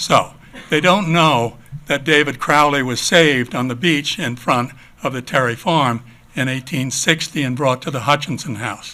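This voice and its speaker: Speaking at a moderate pace, a man with an American accent has a bright, sharp tone and a fairly high pitch. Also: ordinary pitch variation. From Long Island, New York. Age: 80s+. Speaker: member of the public. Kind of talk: public comment. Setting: town board meeting room.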